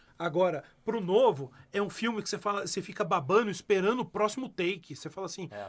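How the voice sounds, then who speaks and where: Very fast and high-pitched, a man speaks with ordinary pitch variation and big swings in loudness. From São Paulo interior, Brazil. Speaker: podcast co-host. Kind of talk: casual chat.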